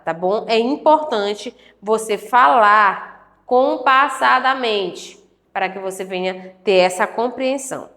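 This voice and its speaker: A woman teacher giving a slow lesson to adult learners, sounding out syllables clearly and asking the students encouraging questions. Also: on the high side, fairly bright tone, reverberant.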